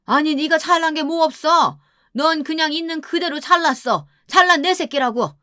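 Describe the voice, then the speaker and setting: A nagging older mother-in-law, put on by a woman narrator, her voice pitched up and sharp as she scolds and whines. She dotes on her son and talks over everyone. The read is dry and close. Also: moderate pace, no echo. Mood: whining. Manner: scolding, whiny and self-pitying.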